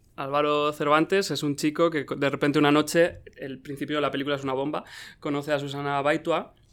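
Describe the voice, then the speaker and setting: The speaker is a man with a fairly high voice. His intonation is monotone and flat. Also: very clean recording, silent background. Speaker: podcast host and film journalist. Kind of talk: casual interview chat.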